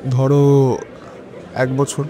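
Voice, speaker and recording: An actor playing an anxious, hesitant widower in an audio drama, speaking dramatically in halting short phrases. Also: male voice, medium pitch, completely flat delivery, dark tone. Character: anxious, hesitant widowed lover narrating his own unease. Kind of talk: Bengali audio drama narration and dialogue. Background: dramatic music.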